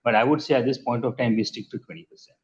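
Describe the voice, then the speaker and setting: A man, a company executive giving measured, businesslike answers on an earnings call. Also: mid-range voice. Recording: muffled conference-call line.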